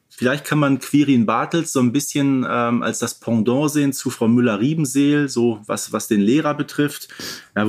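A man speaking on a podcast in a casual, analytical way, measured and a little hesitant as he works through his thoughts. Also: mid-range voice. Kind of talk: casual podcast discussion of children's audio dramas.

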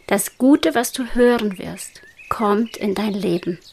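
A woman guiding a hypnosis meditation in a soft, slow whisper. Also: medium pitch, creaky, slight background noise. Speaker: hypnosis guide.

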